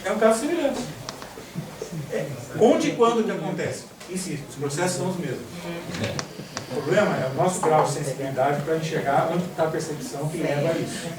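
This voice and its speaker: A man's voice: a little high, animated, a little fast, background noise. Insistent Brazilian man lecturing a room. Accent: Brazilian Portuguese. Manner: insistent, explanatory, addresses the audience directly. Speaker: speaker leading a talk. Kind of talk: informal talk with audience exchange. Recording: echoey room from far off, audience present.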